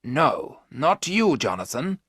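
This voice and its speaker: A man playing an older professor in a storybook, firm and measured as he lays out his plans. His pitch sits a touch above the narrator's own and moves lively. The sound is dry and close. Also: breathy edge, no echo, full character voice.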